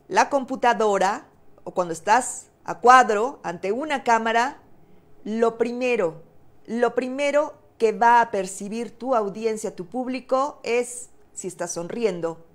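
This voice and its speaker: Emphatic Mexican Spanish woman teaching. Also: fairly high pitch. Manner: didactic, emphatic, with rhetorical questions and fillers. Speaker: presenter and voice coach. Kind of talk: webinar lesson.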